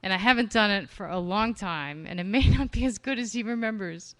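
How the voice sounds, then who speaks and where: A woman performing spoken-word poetry live at a reading venue on a stage mic, expressive and slowing down on key phrases. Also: mid-range voice. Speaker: poet.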